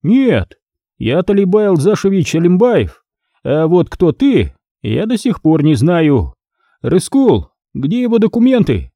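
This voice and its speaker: Higher-pitched, taunting crime boss voiced by a man. Lively swings, mellow tone, dry close sound. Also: unhurried, dry recording, full character voice. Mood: sarcastic. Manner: taunting, barked threats and sly mockery. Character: sneering crime boss, mocking and menacing man.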